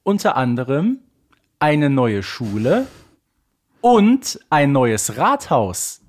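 A man's voice: mid-range voice, very animated, slow. A man talking as co-host in a casual podcast discussion.

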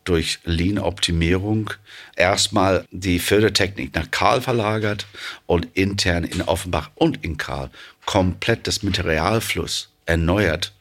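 A man's voice: sits low, fairly bright tone. A man from England with an English accent, a plant manager answering interview questions hesitantly, with many fillers.

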